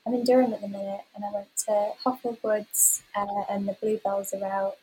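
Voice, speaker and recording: A woman chatting casually and relaxed, with rambling ums. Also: medium pitch, moderate pace, slight background noise, low-quality recording. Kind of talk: casual chat.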